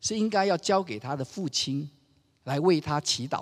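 A man with a fairly high pitch speaks at a moderate pace with very wide pitch swings, on a very clean recording with a silent background. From Taiwan. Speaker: missionary pastor. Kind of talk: sermon. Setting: church. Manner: halting, with many filler sounds.

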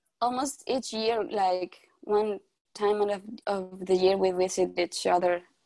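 A woman with a Spanish accent speaks at a fairly slow pace, her pitch varying in an ordinary way. Her tone is dark and mellow. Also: medium pitch for a woman. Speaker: guest. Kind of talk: casual chat. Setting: video call. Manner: halting.

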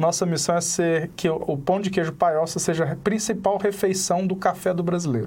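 With noticeable background noise around him, a man with a high pitch speaks at a moderate pace, with fairly even intonation and hardly any pauses. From Minas Gerais, Araxá. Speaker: video production company owner. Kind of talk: casual interview chat; sales pitch.

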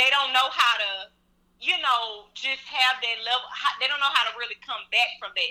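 Speaking at a moderate pace with an American accent, a woman talks in a high pitch with ordinary pitch variation. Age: 20s. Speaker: hairstylist and salon owner. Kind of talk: casual chat.

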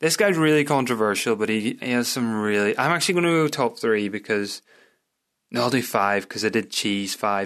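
At a moderate pace and medium pitch, a man speaks with lively intonation over a quiet background. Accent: Northern Irish. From Northern Ireland. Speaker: podcast host. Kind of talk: casual solo chat. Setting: bedroom with mic. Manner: casual, chatty, humorous.

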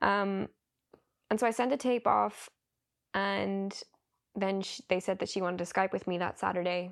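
A woman speaks with a Dublin accent at a medium pitch, her intonation fairly even and broken up by long, frequent pauses. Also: moderate pace. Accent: Irish (Dublin). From Ireland, Dublin. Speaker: actress. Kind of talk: casual interview.

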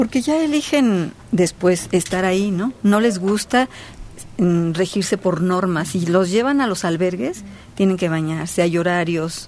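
Here is a woman with a plain, everyday voice. Her delivery is fairly slow, with lively intonation. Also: medium pitch for a woman. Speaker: radio co-host. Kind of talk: casual chat.

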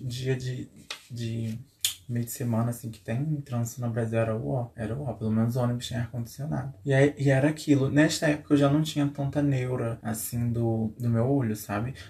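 A medium-pitched man talks at a moderate pace, his intonation fairly even, while noticeable background noise carries on. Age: 20s. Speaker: podcast host. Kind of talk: autobiographical casual monologue. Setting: recorded Instagram live video. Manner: halting.

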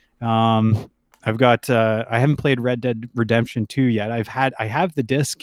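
A man with a Canadian accent and an unremarkable speaking voice talks at a moderate pace with medium pitch and fairly even intonation, in a very clean recording with a silent background and a dry, close sound with no echo. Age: 30s. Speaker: sports writer. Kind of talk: casual interview.

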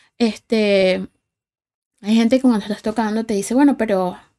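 Over a silent background on a very clean recording, a woman with a Venezuelan accent speaks in a dark, mellow tone with ordinary pitch variation. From Venezuela, Puerto Ordaz. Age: 30s. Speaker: violinist. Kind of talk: casual chat.

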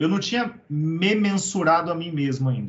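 High-pitched and with lively intonation, a man speaks. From interior of São Paulo state, Brazil (Pirassununga). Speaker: illustrator. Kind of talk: casual interview.

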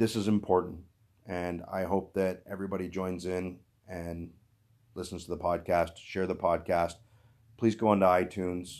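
A man talks in a very deep, low voice with monotone, flat intonation at a moderate pace. He leaves long, frequent pauses, and the recording is very clean with a silent background. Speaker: podcast host. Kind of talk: solo podcast monologue. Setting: at home. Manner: rambling.

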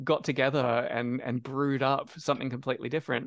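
Against a quiet background, a man with a medium pitch speaks at a fairly quick pace and fairly even intonation. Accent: Australian. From Australia. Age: 40s. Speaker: experimental farmer and science fiction author. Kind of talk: casual chat.

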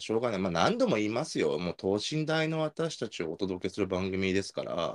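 A man of medium pitch speaks at a fairly quick pace with hardly any pauses, his pitch swinging very widely. The sound is dry and close with no echo, and the background is quiet. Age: 30s. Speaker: podcast co-host, part-timer. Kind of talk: casual chat.

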